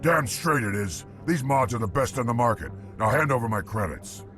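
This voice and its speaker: An actor playing a swaggering, wary black-market arms dealer in a video game, gruff and curt. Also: male voice, medium pitch, animated, moderate pace, fairly bright tone, soft background music, natural voice. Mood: cocky.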